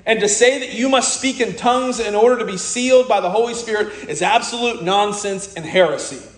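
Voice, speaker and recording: Fiery high-voiced preacher, echoey room. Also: male voice. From America. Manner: fiery, blunt, scornful preaching with sudden slowdowns for emphasis. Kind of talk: sermon.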